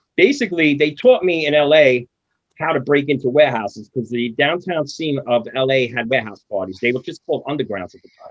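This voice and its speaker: In a Brooklyn accent, a man with a fairly high pitch talks at a fairly quick pace, with ordinary pitch variation and big swings in loudness. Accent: New York (Brooklyn). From Brooklyn, New York. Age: 50s. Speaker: DJ and producer. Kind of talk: casual interview chat.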